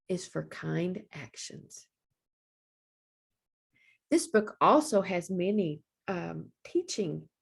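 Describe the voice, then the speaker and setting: A woman reading aloud for young children as a librarian, with deliberate, expressive phrasing. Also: medium pitch, creaky.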